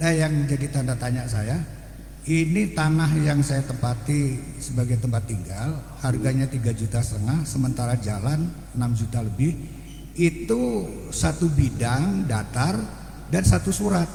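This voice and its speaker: Over noticeable background noise and audible room echo, a man speaks at a fairly slow pace with lively intonation. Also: medium pitch for a man. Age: 70s. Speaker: retired air force serviceman, local resident. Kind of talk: interview testimony.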